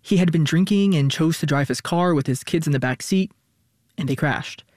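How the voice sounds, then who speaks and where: A man narrating a radio news feature as reporter, in a measured, scripted storytelling voice. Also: on the high side, darkish tone, no echo, clean studio sound.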